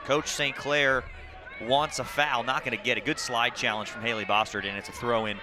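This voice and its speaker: Here a man provides live televised soccer play-by-play, blending short, clipped calls with recaps of the stats. He has a medium pitch, a steady tone and a normal speed. The outdoor broadcast is distinctly noisy, with crowd and ambient sound in the background.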